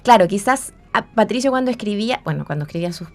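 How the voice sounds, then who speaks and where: A woman's voice: mid-range voice, expressive, fast. A woman with a Chilean accent hosting a casual radio interview in an informal, conversational way. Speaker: radio host.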